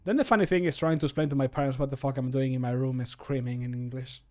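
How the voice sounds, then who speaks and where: A man's voice: mid-range voice, fairly even intonation, fast talker, a little mellow. A man in his thirties chatting casually and jokingly on a livestream, swearing freely, close to the mic in a room at home. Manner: joking, sweary, self-deprecating. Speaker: content creator and voice actor. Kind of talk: casual livestream chat while recording. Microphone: close studio microphone.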